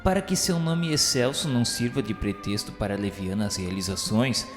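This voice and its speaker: A man's voice: on the low side, normal speed. Solemn Brazilian man narrating in echoing reverb. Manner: reverent, formal, declamatory. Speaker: narrator of a spiritist radio novel. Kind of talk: solemn scripted literary narration. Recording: echoey hall reverb with music. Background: music.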